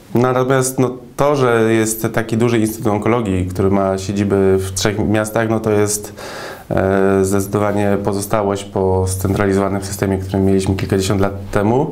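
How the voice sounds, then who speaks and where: A man keeps a moderate pace with fairly even intonation and very even loudness. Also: fairly low pitch for a man. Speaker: sociologist commentator. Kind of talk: casual chat. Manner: halting. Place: studio.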